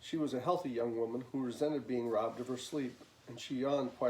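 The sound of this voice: The reading voice here is unforced.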